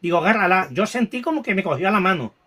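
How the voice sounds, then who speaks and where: A man with a higher-than-usual voice tells a painful personal story. He stumbles, restarts and repeats phrases, his voice shaken and close to tears. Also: very animated, fairly bright tone, breathy edge. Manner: halting, many restarts and repetitions. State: emotional, near tears. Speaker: guest recounting a paranormal experience.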